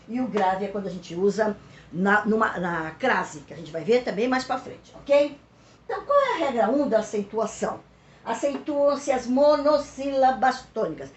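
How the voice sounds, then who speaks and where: A woman teacher with a São Paulo Brazilian accent explains a lesson for pupils slowly and patiently, repeating key words and checking in with her listeners. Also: fairly high pitch, echoey room, slight background noise. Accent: Brazilian Portuguese, São Paulo.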